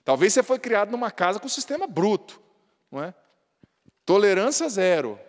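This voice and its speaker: A Brazilian priest preaches in a folksy, humorous way, often tagging his points with questions. His voice sits high for a man. It rings out with a long reverb, as in a large hall. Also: very animated, moderate pace. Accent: Brazilian Portuguese. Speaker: Catholic priest. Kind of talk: sermon.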